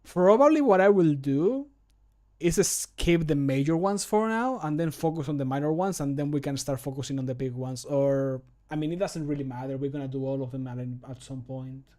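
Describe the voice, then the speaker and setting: A man's voice: a little high, mellow. A man in his thirties chatting casually and informally as a livestreamer. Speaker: streamer and game modder. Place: small room at home, indoors.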